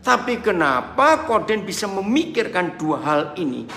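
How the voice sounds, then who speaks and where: Dramatic high-voiced male pastor preaching. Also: big pitch swings, normal speed, reverberant, a little hiss or hum. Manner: dramatic, swings from shouts to quiet asides; asks the congregation rhetorical questions. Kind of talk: sermon. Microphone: video call.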